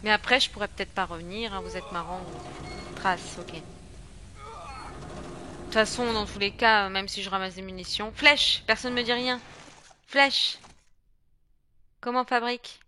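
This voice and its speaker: A young woman from France playing a horror game and commenting casually, chatty and excitable, swinging from shrieks to low mutters. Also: normal speed, pauses often. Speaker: gaming streamer. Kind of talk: casual let's-play commentary.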